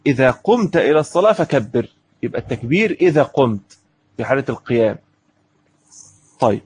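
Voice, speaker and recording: A man's voice: mid-range voice, slightly rough. A man with an Egyptian accent teaching Islamic law. He reads a line from a classical book and then explains it in everyday speech, often asking a question and answering it himself. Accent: Egyptian Arabic. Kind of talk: lecture explaining a classical text.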